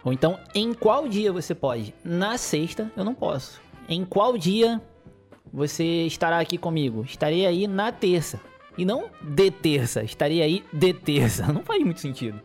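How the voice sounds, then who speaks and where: A man's voice: high voice, darkish tone. A man, hosting a casual solo podcast in a rambling, chuckling, playfully griping way. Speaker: podcast host.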